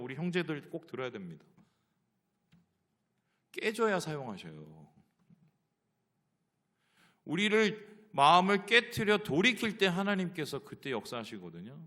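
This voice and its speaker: A man's voice: fairly high pitch, bright, forceful tone. A male pastor preaching a sermon, asking the congregation rhetorical questions.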